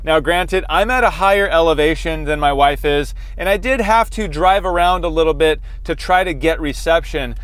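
A man's voice: on the high side, normal speed, few pauses, a bit bright, smooth, dry recording. A man in his forties hosting a casual product test, talking in a conversational way from inside a car. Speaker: host. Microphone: lapel mic.

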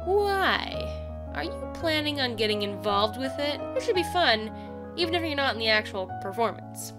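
A woman's voice: high voice, big pitch swings, moderate pace, music in the background. An actress playing a supportive, chatty young woman, a college friend, in a casual audio drama style. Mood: upbeat, curious. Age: young adult.

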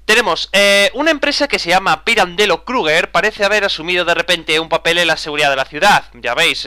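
A young man narrates his gameplay in a bright, crisp, clear voice that swings up and down animatedly. He mutters to himself, curses when things go wrong, and keeps up a casual, exasperated running commentary. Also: high-pitched. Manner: exasperated, swears often, talks to himself. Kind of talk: casual let's-play commentary.

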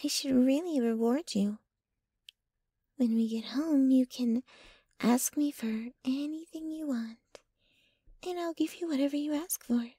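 A woman's voice: high-pitched, a little slow, pauses often, mellow, dry recording. A woman playing a jealous, possessive, dominant yet clingy young girlfriend in an intimate, whispery ASMR roleplay, close to the microphone. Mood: tender. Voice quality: breathy, whispery. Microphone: close microphone, dry.

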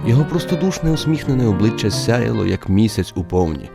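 A man's voice: lowish voice, animated, fast talker, gravelly. A man narrating a radio play as a scripted, wry literary story. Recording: music under the voice.

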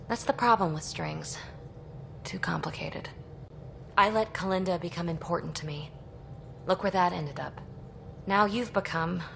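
A woman's voice: on the low side, vocal fry, a little hiss or hum. A woman playing an impulsive, guarded, wry young alien adventurer in a video game, with breezy, sardonic delivery. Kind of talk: video game dialogue acting.

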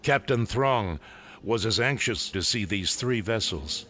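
An actor playing a haughty, dryly amused imperial military superior in an audio drama, formal and condescending. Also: male voice, lowish voice, animated, unhurried, fairly bright tone.

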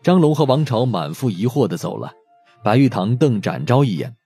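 A man's voice: mid-range voice, very animated, moderate pace, dark tone, slightly rough. A man narrating a dramatic audiobook story in a scripted style. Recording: faint music under the voice.

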